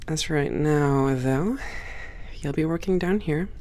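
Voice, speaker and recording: A performer playing a friendly, composed female hangar supervisor in an ASMR roleplay, speaking in a measured, welcoming and professional way. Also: mid-range voice, a little mellow, close to an everyday voice. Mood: reassuring, instructive. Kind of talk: ASMR roleplay, one-sided conversation.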